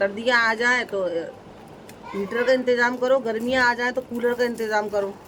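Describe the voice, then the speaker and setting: With noticeable background noise behind her, a woman speaks at a high pitch with fairly even intonation. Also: moderate pace. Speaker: vlogger. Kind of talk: vlog.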